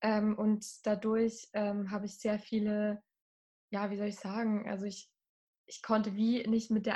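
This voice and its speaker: A woman speaks at a moderate pace in a fairly high, somewhat breathy voice. Her intonation stays flat and monotone. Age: 20s. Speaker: trainee nurse. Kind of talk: personal testimony in interview. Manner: hesitant, many filler sounds.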